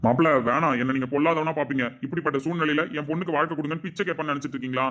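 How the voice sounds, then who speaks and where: A man's voice: on the high side, fairly even intonation, very fast, a bit bright, lightly acted. A man playing a middle-aged father who defends his daughter with emphatic, indignant speech in a family drama. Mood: angry. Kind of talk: amateur family drama acting.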